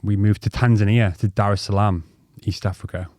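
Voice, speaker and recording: Casting: North East English man, thirties, low-voiced podcast co-host, rambling, sweary, dry close sound. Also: steady tone, fairly quick, darkish tone, no room sound. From North East England. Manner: rambling, swears freely, many ums and restarts. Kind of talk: casual storytelling chat.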